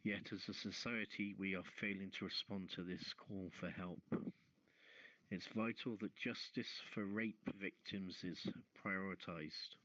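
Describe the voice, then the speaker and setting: A man hosting an online radio talk show, reading news stories and talking a little haltingly between them over muffled audio. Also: sits low, steady tone, pushed and bright, dry recording.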